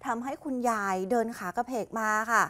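A young adult woman anchoring a morning news show, retelling a story in a lively, chatty way. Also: fairly high pitch, brisk. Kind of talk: conversational news chat.

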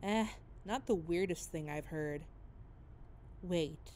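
A woman's voice: on the low side, slow pace, a little mellow, a little hiss or hum. A woman as a wry, easygoing driver. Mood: wry, curious. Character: wry, easygoing female driver teasing her companion. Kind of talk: casual audio drama dialogue.

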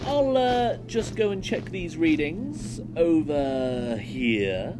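A man's voice: a little high, expressive, takes it slowly. A man playing a sly, mocking renegade Time Lord villain in an audio drama, theatrical and insinuating. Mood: wheedling, cocky. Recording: music under the voice.

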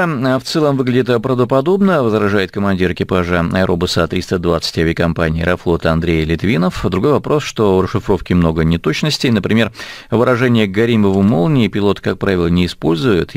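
A man's voice: low-pitched, dry recording, studio quality. A man reading scripted news reports as a news presenter.

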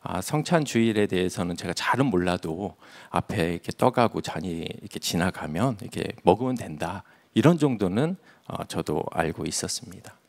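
A man's voice: sits low, vocal fry, darkish tone. A young adult man preaching at an early-morning church service, telling his story and dropping to a near-whisper for emphasis. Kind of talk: sermon. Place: church sanctuary.

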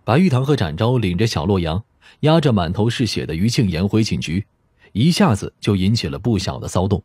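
Low-voiced man narrating, highly expressive. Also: brisk, slightly rough, no echo, studio quality. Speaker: audiobook narrator. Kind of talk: scripted dramatic novel narration.

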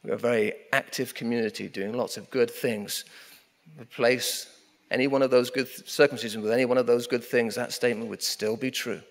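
A man's voice: mid-range voice, fairly even intonation. Middle-aged man preaching in a reverberant church. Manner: emphatic, repeating key phrases, slowing down for weight. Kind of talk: sermon. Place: church sanctuary at a wooden pulpit. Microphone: pulpit microphone. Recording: long hall reverb of a church.

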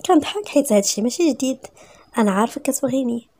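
A woman with a Moroccan accent voicing a cold, distant young husband in a husky voice. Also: sits high, expressive, very fast, warm tone.

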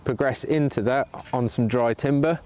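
A slightly mellow, medium-pitched man speaks at normal speed while running a bushcraft livestream outdoors in sunny woodland. He talks casually with his audience during the demonstration, and the camera points down at his hands.

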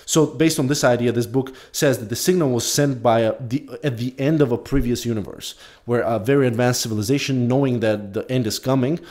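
A young man from Bulgaria, Polish by first language, telling a story in a casual podcast. He talks in an animated way with quick restarts and the odd swear word. His voice sits at an everyday middle pitch, recorded close on a boom mic in a small home room. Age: young adult. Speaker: podcast co-host. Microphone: studio mic on a boom, headphones.

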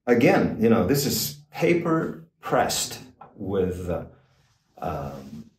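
An older man, a guitar expert guest, explaining in a casual, halting way with many fillers and restarts, in a small backstage room. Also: sits low, wildly swooping pitch, far from the mic. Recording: roomy, off-mic, faint noise.

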